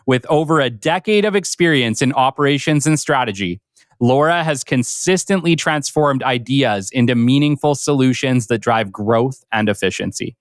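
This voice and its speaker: A man's voice: mid-range voice, expressive, normal speed, no room sound, studio quality. A man hosting a business podcast, introducing and interviewing a guest with effusive enthusiasm. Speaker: podcast host.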